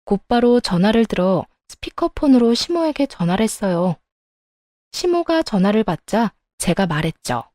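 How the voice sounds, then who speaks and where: A woman narrating a first-person family story in a polite, expressive way. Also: medium pitch, moderate pace, no echo, clean studio sound. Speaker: narrator as daughter-in-law.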